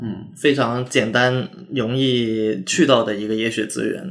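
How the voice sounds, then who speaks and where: This man has a Cantonese accent. He speaks at a fairly slow pace. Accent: Cantonese-accented Mandarin. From Guangdong, southern China. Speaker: ski club co-founder. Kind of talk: casual chat.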